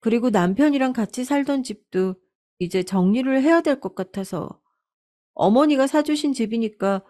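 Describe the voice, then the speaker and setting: Hesitant, polite young daughter-in-law voiced by a woman narrator, gentle and a touch higher, mellow tone. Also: lively intonation, normal speed, natural voice.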